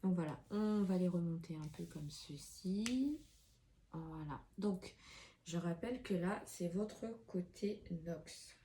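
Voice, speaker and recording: A woman's voice: on the low side, slow pace, mellow. Chatty woman reading tarot cards. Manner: chatty, many fillers and restarts. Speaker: tarot card reader. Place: room with an open window. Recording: faint street noise through window.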